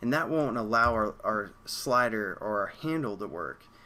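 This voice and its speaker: A man's bright, sharp voice sits at a medium pitch with ordinary pitch variation. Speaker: programming tutorial teacher. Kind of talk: screencast coding tutorial. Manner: fast; casual with many fillers.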